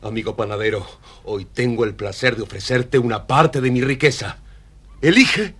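An actor playing a poor, excitable Arab fisherman in a dramatized children's storybook, with theatrical, exclamatory delivery. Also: mid-range voice, normal speed, natural voice. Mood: overjoyed. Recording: slightly noisy vintage storybook recording.

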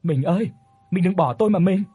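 A man's voice: sits high, fairly quick, dark tone, slightly rough, voice pushed up. A man voicing a young village husband wailing in grief for his wife. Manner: wailing, pleading.

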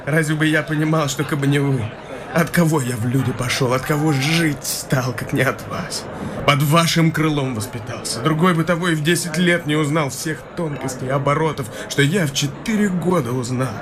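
A man's voice: fairly high pitch, moderate pace, background noise, lightly acted. An actor playing a young male clerk in a radio play, fawning and tipsy, boasting expansively with laughs in his voice.

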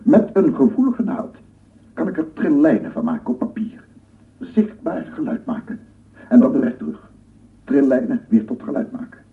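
Obsessive scientist, wildly animated delivery. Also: male voice, mid-range voice, normal speed, creaky, distant mic. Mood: intent, precise. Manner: formal, rhetorical, repeats phrases. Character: obsessive male scientist lecturing on sounds, fervent, wondering. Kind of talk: radio drama lecture monologue. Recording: muffled phone-like radio play recording, off-mic.

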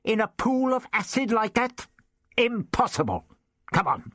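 Man putting on a crotchety old time traveller, high raised voice, husky, lofty and dismissive, lively lilt. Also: unhurried, no room sound, studio quality, full character voice. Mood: testy. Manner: snorting, dismissive, lecturing.

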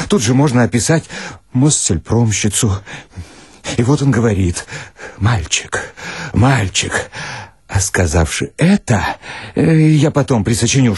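Slow, highly expressive male storyteller. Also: husky, dry recording, clean studio sound. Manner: expressive, dramatic, deliberate. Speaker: narrator, reader. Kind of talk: theatrical first-person literary story reading.

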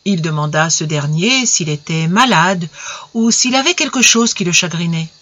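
A measured storybook narrator, muffled recording. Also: medium pitch, expressive, bright, forceful tone. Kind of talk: audiobook story reading.

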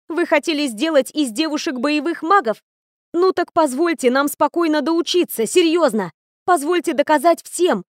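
A woman voicing a young female student mage who protests loudly and with exasperation against being married off. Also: high-pitched, no echo, clean studio sound, pitched above the performer's own voice.

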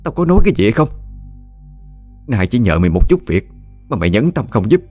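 A man's voice: deep voice, lively intonation, moderate pace, a little mellow, slightly rough, faint music behind, full character voice. A man voicing a scheming older aunt who scolds and threatens her niece. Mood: scolding. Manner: scolding, harsh, wheedling.

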